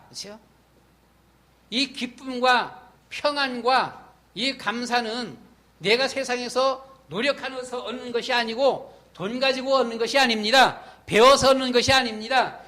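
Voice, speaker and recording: High, bright-voiced preaching pastor. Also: male voice. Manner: emphatic preaching with rhetorical questions; acts out his own past and inner voice in quotes. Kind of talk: sermon. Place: church sanctuary.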